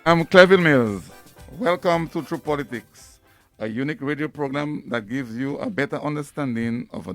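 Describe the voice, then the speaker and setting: A man's voice: medium pitch, no room sound. A man hosting a live political radio program from a studio, speaking formally with small restarts. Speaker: radio talk show host. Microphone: studio microphone.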